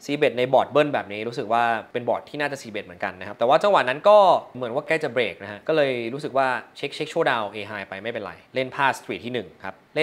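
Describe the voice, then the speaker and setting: Lively young man reviewing poker hands. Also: mid-range voice. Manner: lively, self-mocking, mixing English poker terms into speech. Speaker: poker player reviewing his own hands. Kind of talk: casual hand-review commentary.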